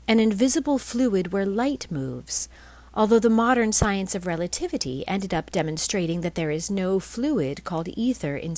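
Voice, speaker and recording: A woman reading a spiritual text aloud as scripted narration, in measured phrases with deliberate pauses. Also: medium pitch, a little mellow, no echo. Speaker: reader of a spiritual blog.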